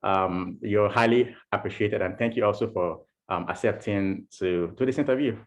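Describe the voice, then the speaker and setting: A man hosting an interview, enthusiastic and halting, often restarting his sentences. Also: on the low side. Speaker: interview host. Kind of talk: podcast interview.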